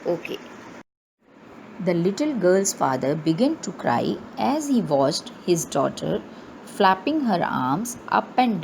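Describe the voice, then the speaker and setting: Indian woman teacher, slow and lively. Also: mid-range voice, creaky, slight background noise, low-quality recording. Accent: Indian English. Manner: reads a line, then explains it and checks with "right?". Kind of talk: online class reading and explaining a story.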